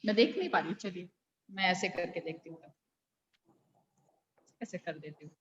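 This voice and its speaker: A woman's voice: fairly low pitch, moderate pace, lo-fi sound, a little hiss or hum. An Indian woman teacher running an online class, patiently correcting pupils and calling them by name. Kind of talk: online class checking homework. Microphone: video call.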